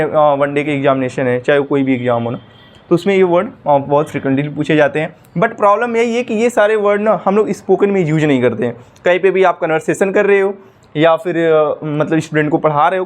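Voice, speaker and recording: Young male vocab teacher, high-pitched, patient and repetitive, exam-prep lesson. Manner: explains word by word, repeats terms, frequent "ठीक है" and "guys".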